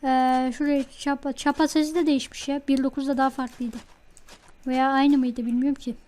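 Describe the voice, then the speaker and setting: A woman hosting a let's play, chatting to herself and her viewers as she plays, easily excited. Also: high-pitched, a little fast. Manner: chatty, talks to self while playing, easily excited. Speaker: gaming channel host. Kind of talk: let's play game commentary.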